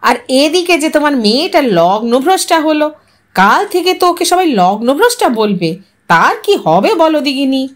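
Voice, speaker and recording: A disapproving neighbour, acted out by a woman narrator nags in a high voice. The manner is scolding and gossipy, as a busybody relative in an audio story. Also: sing-song, moderate pace. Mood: reproachful.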